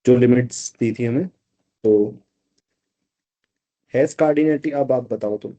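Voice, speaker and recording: A male math teacher talks through a proof in an online class. His delivery is slow and deliberate, his tone dark and mellow, and he keeps stopping to ask whether the students follow. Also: mid-range voice. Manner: slow, explanatory, checks in with students often. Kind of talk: live online math lecture, Hindi-English mix.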